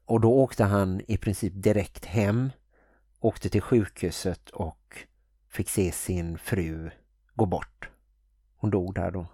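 A man from Sweden hosting a podcast, giving calm and measured introductions. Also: sits low, breathy edge, dry recording, clean studio sound. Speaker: podcast host.

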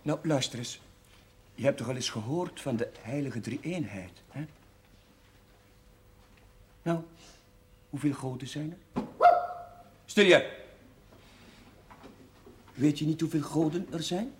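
A man's voice: fairly high pitch, slow pace, long pauses. A man playing a young Catholic chaplain, questioning a class like a schoolmaster in a scripted television drama. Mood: stern. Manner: schoolmasterly, questioning, calling for silence. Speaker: actor in a TV drama series. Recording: noisy old TV soundtrack.

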